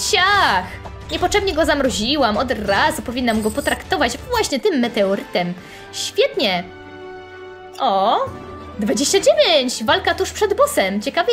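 Very high-voiced excitable woman gamer. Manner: chatty, excitable, talks to viewers, sound effects. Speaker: gaming channel host. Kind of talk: playful let's-play commentary.

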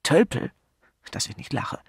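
A polished, wary hotel manager, as a male audiobook reader plays him, speaking in smooth courtesies that turn sharp. The voice is gravelly and husky, recorded dry and close. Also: medium pitch, lively intonation, normal speed, no echo.

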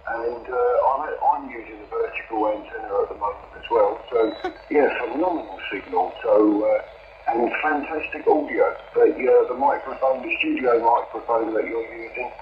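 A man's voice: mid-range voice, animated, moderate pace. A man with a southern English accent chatting hesitantly and appreciatively as a radio operator, heard over a transmission. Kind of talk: casual CB radio contact. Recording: dull radio transmission with faint noise.

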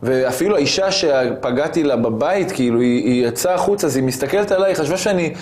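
A man with a somewhat high voice, telling a personal story as an interview guest. He is animated and acts out the moments he recounts.

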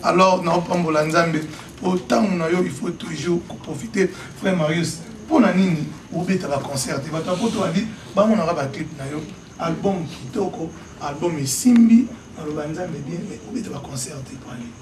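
A man's voice: fairly high pitch, normal speed. A man interviewing a singer, asking long rambling questions. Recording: echoey room, distant mic, loud noise.

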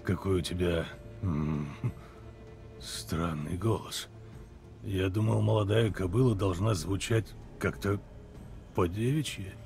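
Low-voiced, deadpan Geralt. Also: male voice, slow, creaky, faint music behind, full character voice. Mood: bemused. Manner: deadpan, terse. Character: stoic male monster hunter, dry and weary. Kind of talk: video game dialogue acting.

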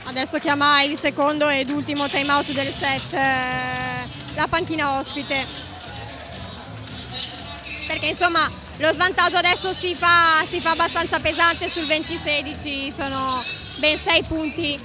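A woman's voice: sits high, steady tone, measured pace, over music. A woman giving live play-by-play commentary on a volleyball match.

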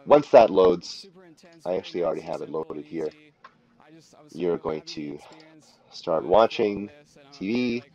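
A man with a low-pitched voice talks through a screen-recorded tutorial. He sounds unscripted and instructional, laying out each step deliberately as he goes. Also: a little mellow, rough recording. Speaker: tutorial presenter. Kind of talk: unscripted step-by-step software walkthrough.

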